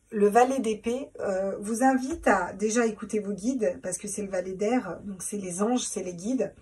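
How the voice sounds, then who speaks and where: Casual tarot reader, woman, husky higher voice, recorded slightly distant. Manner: chatty, repeats words, laughs at herself. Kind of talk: casual tarot reading to camera.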